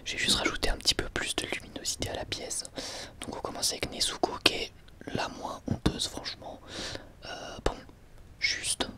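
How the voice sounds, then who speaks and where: An ASMR host whispering a casual, drily ironic product presentation in a hesitant, conversational way.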